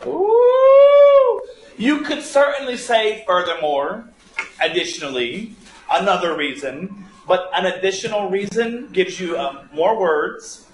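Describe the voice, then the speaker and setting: During a live writing class, a male teacher thinks aloud and poses playful, teasing questions to his students. His voice is high-pitched, expressive and somewhat bright, moving a little slowly. The room is echoey, with faint noise in the background.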